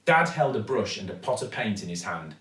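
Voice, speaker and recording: A man narrating a children's story expressively, with dramatic, deliberate emphasis. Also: fairly low pitch, sing-song, fairly bright tone. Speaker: actor reading a children's story. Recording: echoey room, distant microphone.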